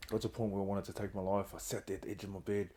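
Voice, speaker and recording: A man's voice: on the low side, flat delivery, very fast, warm tone, husky. A middle-aged man, a podcast guest candidly telling his own story, earnest and open about hard times. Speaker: guest, founder of a reintegration trust.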